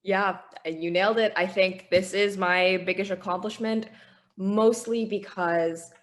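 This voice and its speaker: A woman's voice: mid-range voice, steady tone, measured pace. A woman in her twenties, whose first language is Chinese, speaking earnestly and reflectively as an interview guest. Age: 20s. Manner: earnest, reflective, with small laughs. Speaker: guest author. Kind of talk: interview conversation.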